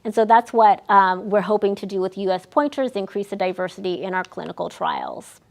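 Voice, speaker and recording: A woman's voice: mid-range voice, brisk, creaky, a little mellow. A young adult woman, a research staff member, gives an educational talk to older adults, explaining with frequent ums and restarts. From United States. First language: Vietnamese.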